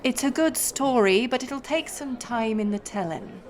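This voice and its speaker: A woman's voice: a little high, a little slow, a faint crowd, lightly acted. A woman playing a bold, sly pirate captain in an audio roleplay, teasing and swaggering as she speaks to the listener. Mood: boastful, intrigued. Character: bold, sly female pirate captain, a notorious tavern storyteller.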